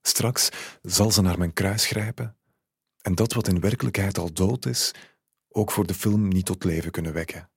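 A man reads a literary short story in a calm, measured first person. His voice sits low and a little husky. The recording is dry and close, with no room sound. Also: dry recording. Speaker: narrator.

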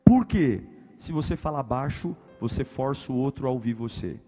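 A man with a Brazilian Portuguese accent, a pastor preaching a humorous sermon, swinging between loud punchy lines and hushed ones. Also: mid-range voice, fairly quick, soft background music.

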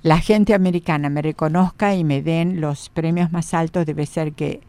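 Rambling lower-voiced woman guest. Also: fairly even intonation, moderate pace, darkish tone, no room sound. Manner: rambling, many restarts. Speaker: guest psychologist. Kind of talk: radio interview. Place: radio studio.

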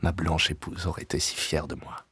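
An actor playing an obsessive, vengeful widower in a French audio-drama monologue, solemn, grandiloquent and deliberate, often sinking into breathy whispers. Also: male voice, extremely low pitch, fairly even intonation, noisy background. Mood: brooding, wistful. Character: obsessive, vengeful widower, grandiloquent, haunted by his lost wife. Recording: binaural recording with music.

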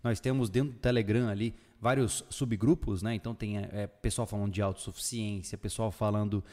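A man hosting a casual podcast, relaxed and joking, recorded in a bare new house whose room still echoes. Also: fairly low pitch, a little fast. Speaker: podcast host. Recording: long echo from a bare room.

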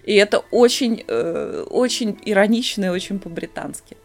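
A woman's voice: mid-range voice, normal speed, faint music behind. A woman co-hosting a podcast, chatting casually and telling stories with acted-out quotes. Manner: lively storyteller, acts out quotes. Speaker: podcast co-host. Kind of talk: casual podcast chat, recommending a series.

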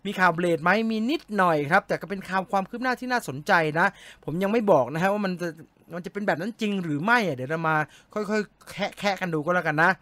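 A man's voice: high voice, bright, forceful tone, no echo. A man hosting a casual live stream, reading out viewer comments and answering them in a chatty, joking way.

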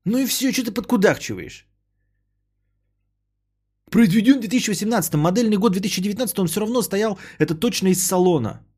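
Man, podcast host, husky voice, mellow tone, rambling, swears a lot, gets worked up. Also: sits high, animated, fast, pauses often. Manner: rambling, profane, worked-up ranting. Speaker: podcast host talking to his chat. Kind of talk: casual livestream chat.

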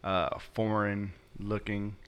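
A man's voice: fairly low pitch, little pitch movement, slow, a bit bright, smooth. A married young man talking hesitantly in a casual group chat, circling his points. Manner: hesitant, many fillers and restarts.

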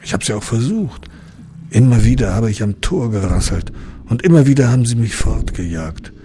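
A man voicing an old, tired, white-haired male horse in a storybook, speaking softly and wearily. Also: on the low side, animated, a little hiss or hum, natural voice. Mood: wistful. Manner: weary, soft and slow.

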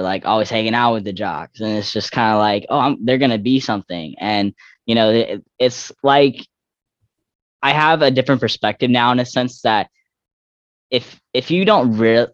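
A man's voice: on the low side, no room sound, dull audio. A young trans man in his twenties, a guest in a candid interview, talking reflectively with frequent fillers and restarts. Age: young adult.

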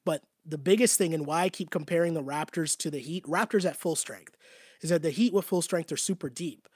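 A man's voice: fairly high pitch, fairly quick, husky, no room sound, studio quality. Man with a strained, fading voice. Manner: conversational, repetitive, often asks "right?". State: losing his voice. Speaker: basketball show host. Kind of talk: casual sports commentary to a live chat.

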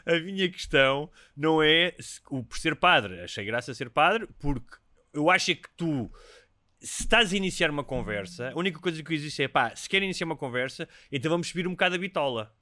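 A man's voice: a little high, fairly quick, no room sound, clean studio sound. A Portuguese man in his forties with a European Portuguese accent, chatting casually and telling stories with lots of "não é?" tags. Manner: storytelling, animated, with frequent "não é?" tags. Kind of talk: casual chat.

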